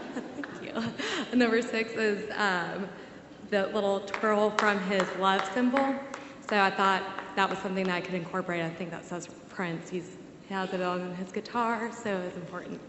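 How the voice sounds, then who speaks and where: Amid noticeable background noise and audible room echo, a woman with an American accent speaks at a moderate pace and medium pitch with fairly even intonation. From Texas. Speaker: design contestant. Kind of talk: design presentation on stage.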